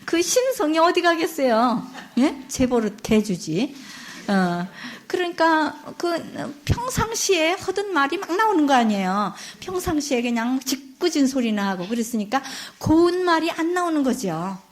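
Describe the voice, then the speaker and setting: A woman nun giving a Bible lecture, telling a folk tale in a lively, chatty way and asking her listeners questions. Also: high-pitched, measured pace.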